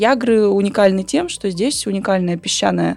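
A woman speaks at medium pitch with ordinary pitch variation. It is a normal speaking voice. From Russia, Arkhangelsk region (Northern Dvina delta). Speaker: biologist and university lecturer. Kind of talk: interview. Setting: studio.

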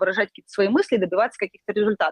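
A woman's voice, dry and close with no echo. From Bryansk, western Russia. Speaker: business development manager, former English teacher. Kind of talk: casual interview.

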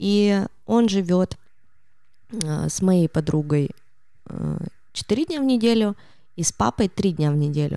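Her dark, mellow voice sits at a medium pitch as this woman speaks very slowly with lively intonation and long, frequent pauses. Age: 30s. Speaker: podcast host. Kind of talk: casual chat.

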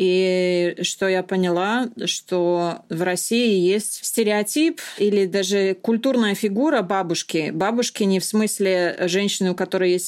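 Here is a normal speaking voice, its pitch varying in an ordinary way. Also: woman. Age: 40s. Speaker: sociologist. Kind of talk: interview.

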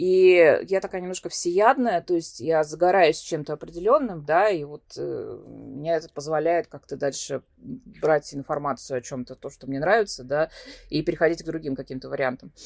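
A woman speaks in an ordinary speaking voice, fairly low in pitch, at a moderate pace with ordinary pitch variation. Her loudness swings widely, and the sound is dry and close with no echo. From Soviet Union (Russia), early childhood in Greece. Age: 40s. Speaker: film critic and translator.

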